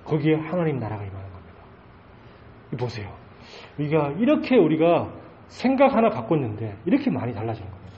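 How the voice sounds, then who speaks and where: A man's voice: a little high, wildly swooping pitch, a little fast, highs cut off. A male pastor preaching a Sunday sermon, speaking emphatically and firing off many rhetorical questions.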